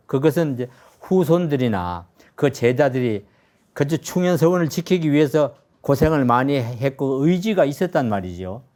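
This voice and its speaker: A man hosting an interview, asking questions in a measured way and listing historical dates carefully. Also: mid-range voice, dark tone. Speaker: interview host.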